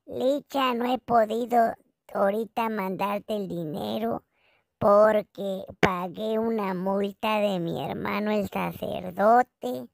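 A hoarse woman acting out a comic phone call, dramatic, keeps repeating the other person's name and drops into whispers. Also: mid-range voice, no echo, clean studio sound. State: hoarse, claims lost voice. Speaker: comedy vlogger. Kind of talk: comic one-sided phone call sketch.

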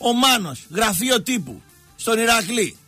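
A man's voice: very high voice, big pitch swings, sharp tone, soft background music. A man ranting as a football pundit on a radio show, stammering and slipping into a sing-song delivery. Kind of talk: heated radio sports rant.

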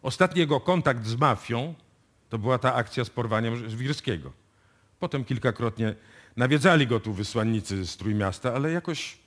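An actor playing a confident police detective who deliberately lays out a case in a radio play. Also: male voice, lowish voice, a bit bright. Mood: emphatic, assured. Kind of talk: live radio drama acting in Polish. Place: radio music studio, performed live before an audience.

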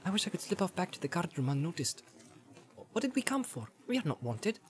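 A man's voice: high voice, very animated, fairly quick, voice pushed up. A man voicing a small, uneasy halfling who mutters and grumbles in a fantasy storybook. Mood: uneasy, grumbling.

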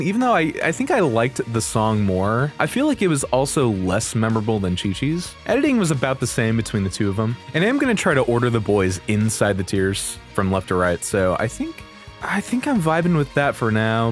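A young man hosting casual reaction commentary in a slangy, animated way. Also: medium pitch, fairly quick. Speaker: video host. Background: music.

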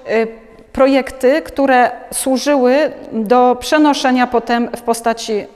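In a large indoor museum gallery, a curator in her forties talks unscripted about the artworks, pausing and restarting frequently. Her voice is high-pitched but darkish in tone, steady, and unhurried. It's picked up on a lapel mic, with the sound of a large hall around her.

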